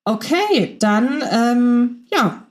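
A woman's voice: on the high side, expressive, drawn-out words. Chatty woman hosting a podcast. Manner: chatty, playful. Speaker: podcast host. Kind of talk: casual fan podcast chat.

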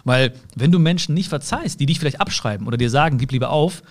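A man speaking directly to the listener in a motivational monologue, earnest, with repeated phrases, slowing right down on some words and rushing through others. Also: medium pitch, expressive. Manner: earnest, swings between soft slow words and quick asides.

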